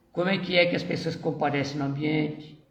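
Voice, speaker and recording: Audible room echo and noticeable background noise are present. A man speaks at a fairly high pitch. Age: 60s. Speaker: spiritist lecturer. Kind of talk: lecture.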